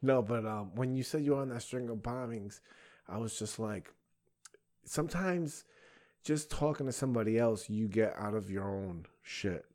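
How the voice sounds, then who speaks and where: Man, thirties, low voice, podcast host, casual chat, profane, slangy, rambling. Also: normal speed, darkish tone. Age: 30s. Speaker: podcast host and stand-up comedian.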